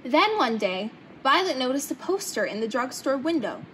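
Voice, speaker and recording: Young woman, high voice, children's story read-aloud, clear background noise in the room. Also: very animated, normal speed. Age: young adult. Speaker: storybook reader. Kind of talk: reading a children's picture book aloud. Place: indoor hangar-like museum room, seated in open cockpit.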